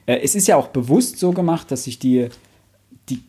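A man's voice: medium pitch, lively intonation, moderate pace, dark tone, slightly rough. A man in a casual discussion, explaining things like a knowledgeable fan. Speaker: book podcast panelist.

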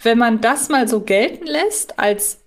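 A woman's voice: a little high, animated, a little slow. Woman chatting casually as podcast co-host. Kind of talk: casual fan discussion.

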